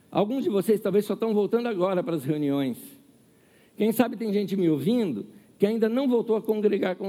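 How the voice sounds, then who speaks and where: A man's voice: high-pitched, warm tone. A man preaching a sermon as pastor to his congregation, with rhetorical questions and acted quotes. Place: church hall. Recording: long hall reverb.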